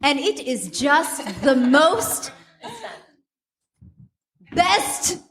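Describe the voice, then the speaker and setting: A woman playing a gushing product pitchwoman in an overblown parody radio commercial. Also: animated, extremely slow, crowd noise, exaggerated voice.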